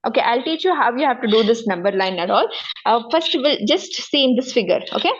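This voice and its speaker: A high-pitched woman with a South Asian accent gives a maths lesson through slightly dull, lo-fi audio. She explains step by step, repeats key points and keeps adding short check-in questions. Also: lively intonation, a little fast, breathy edge. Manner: repetitive, frequent check-in questions. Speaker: maths teacher.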